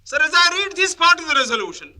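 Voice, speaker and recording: A man delivers formal parliamentary oratory in a measured, emphatic manner, broken into short phrases. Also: very high-pitched, sing-song, pushed and bright.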